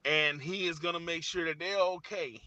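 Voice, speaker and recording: A man in his forties, a father speaking as an interview guest, earnest and searching, often pausing on "you know" and restarting his sentences. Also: on the high side, steady tone, sharp tone, lo-fi sound. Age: 40s. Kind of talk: reflective conversational interview.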